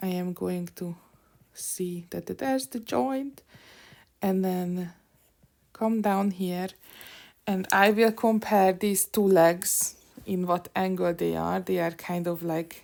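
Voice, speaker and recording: A woman with a non-native accent speaks very slowly with long, frequent pauses and ordinary pitch variation, on a very clean recording with a silent background. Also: medium pitch for a woman. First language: not English. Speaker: digital artist. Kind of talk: tutorial. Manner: casual, halting with fillers.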